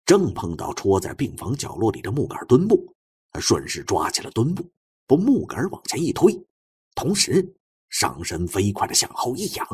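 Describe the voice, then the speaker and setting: Male audiobook narrator for suspense fiction: low, very raspy voice, theatrical, swinging from hushed to forceful.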